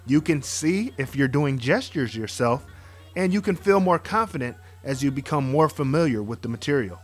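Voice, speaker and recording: A man's voice: medium pitch, lively intonation, moderate pace, faint music behind. A man hosting a podcast, giving earnest advice and welcoming a guest. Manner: earnest, encouraging, gives advice. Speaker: podcast host. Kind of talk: casual podcast chat and interviewing.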